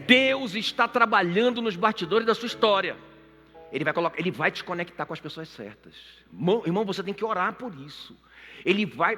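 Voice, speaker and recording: A pastor preaching with lively storytelling, turning to his listeners again and again. His voice is bright and sharp, swinging widely in pitch. It rings through a church hall with a long reverb and faint music behind. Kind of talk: sermon.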